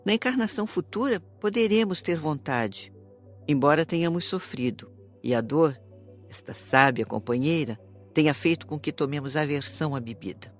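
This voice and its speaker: A woman playing a calm, serious spirit teacher in an audiobook, speaking in a measured, didactic way. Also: deep voice, soft background music. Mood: reassuring. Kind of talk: audiobook dialogue.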